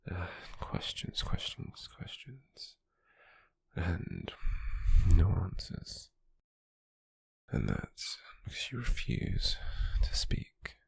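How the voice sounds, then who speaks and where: Sitting low in pitch yet swooping wildly, a British man performs an ASMR roleplay as a cold, possessive slave merchant, a controlling but intrigued captor. His breathy, gravelly half-whisper sits close to a dry microphone, and his delivery is slow, measured, formal and condescending. He sounds musing and intrigued, fully committed to the character voice.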